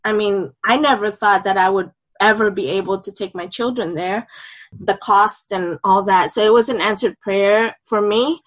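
A woman's voice: mid-range voice, moderate pace, low-quality recording. Hesitant woman guest from Indonesia. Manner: hesitant, with many filler sounds. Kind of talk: interview.

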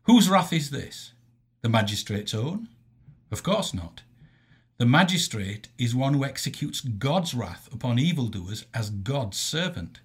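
A man reading a formal, scripted theological lecture in a measured, didactic way, setting off quotations with emphasis. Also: mid-range voice, big pitch swings, breathy edge. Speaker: Christian lecturer.

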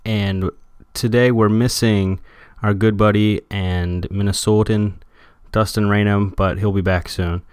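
A man hosting a podcast with a low, smooth, resonant voice. He chats casually with dry, wry humor. His close sound is dry. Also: little pitch movement, unhurried, a little mellow, dry recording. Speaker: podcast host.

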